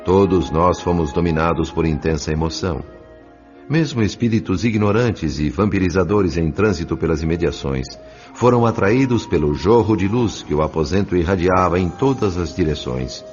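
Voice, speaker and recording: Deep solemn male narrator. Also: animated, darkish tone. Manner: solemn, measured. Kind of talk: dramatic scripted audiobook narration. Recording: dull sound with music underneath.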